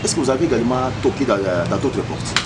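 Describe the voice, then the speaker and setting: A man's voice: medium pitch, animated, brisk, heavy background noise. A male host asking questions in an interview, hesitant and full of fillers.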